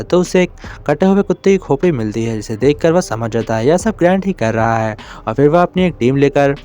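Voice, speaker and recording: A man's voice: mid-range voice, darkish tone. A man narrating a film plot recap in a plain storytelling way, leaning heavily on intensifiers.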